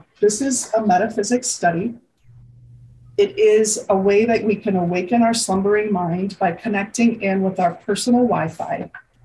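Her somewhat breathy voice has a dark, mellow tone, and the woman's pitch varies in an ordinary way. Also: medium pitch for a woman, moderate pace. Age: 50s. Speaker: feng shui and metaphysics teacher. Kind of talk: teaching talk to online group.

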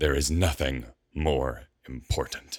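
Putting on a character voice, a man talks fairly slowly in a raspy, very deep, low register. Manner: through gritted teeth, stern.

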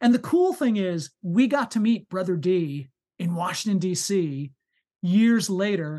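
A man with an American accent speaks at a fairly slow pace against a quiet background. His high-pitched voice has a dark, mellow tone and lively intonation. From US East Coast.

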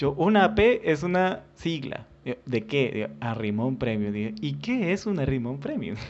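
Man with a Colombian accent, fairly slow with hardly any pauses and very wide pitch swings. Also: medium pitch for a man. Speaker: listener sending a recorded message. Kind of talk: recorded listener message. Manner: halting, repeats words.

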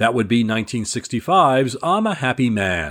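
On a very clean recording with a silent background, a man talks in an upbeat, warm tone. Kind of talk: radio DJ patter, a chart-countdown show with trivia. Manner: upbeat, polished, brisk and chatty; a warm, informed music-history storyteller.

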